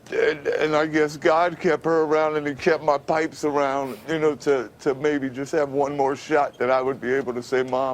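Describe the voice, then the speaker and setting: With hardly any pauses, a man speaks at a moderate pace in a flat monotone at a fairly high pitch over noticeable background noise. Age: 50s. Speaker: radio announcer. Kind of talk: TV interview answer.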